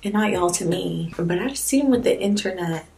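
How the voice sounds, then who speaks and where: A woman's voice: on the low side, lively intonation, normal speed, gravelly, darkish tone. A woman in her twenties doing a casual makeup tutorial in a small room, talking candidly with wry, rambling self-mockery. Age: 20s. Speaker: beauty vlogger. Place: small indoor room with plain wall.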